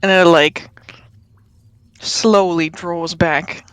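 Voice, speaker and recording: A woman narrating a tabletop game as game master, descriptive and drawn-out with casual asides. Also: lowish voice, steady tone, smooth.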